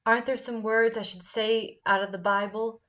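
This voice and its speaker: A woman playing a lovesick, anxious high school girl in a screenplay table read, on lo-fi audio. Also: fairly even intonation, normal speed, sharp tone. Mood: pleading. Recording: dull, lo-fi online call audio.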